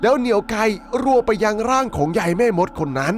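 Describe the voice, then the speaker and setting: A man's voice: high voice, expressive, fast, a little hiss or hum. A man narrating a dramatic horror story recap, conversationally and politely addressing his listeners as he goes. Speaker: storyteller, channel host.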